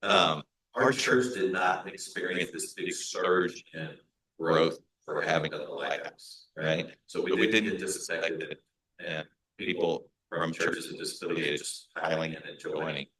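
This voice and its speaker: A male pastor with a Hispanic American accent, giving a relaxed presentation to a church meeting, with frequent fillers and restarts. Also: sits low, moderate pace. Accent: Hispanic American English. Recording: echoey meeting room.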